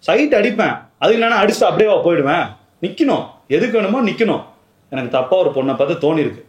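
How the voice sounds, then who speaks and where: Young man acting, exasperated blunt boyfriend in a comedy short, rapid delivery, roomy sound with loud music. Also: sits high, big pitch swings, muffled recording. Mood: blunt, candid. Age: young adult. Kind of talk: naturalistic colloquial phone dialogue.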